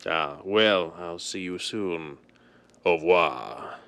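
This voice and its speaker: Man playing a suave low-voiced gentleman hero, radio drama. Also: lively intonation, slow pace, clean tone, exaggerated voice. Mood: idle, breezy. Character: suave, secretive wealthy gentleman playing idle, secretly a crime-fighter. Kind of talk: 1930s radio drama acting.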